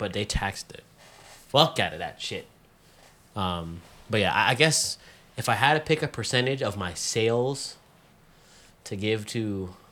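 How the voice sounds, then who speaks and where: With lively intonation and long, frequent pauses, a man talks at a moderate pace in a medium pitch with a bright, sharp tone. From Guam. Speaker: podcast co-host and restaurant server. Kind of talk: casual chat.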